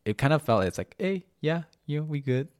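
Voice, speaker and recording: A man's voice: on the high side, big pitch swings, fairly quick, a little mellow, smooth, no room sound, clean studio sound. A young man from Malaysia hosting a podcast, chatting casually and rambling with many restarts and fillers. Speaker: podcast host. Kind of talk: casual chat.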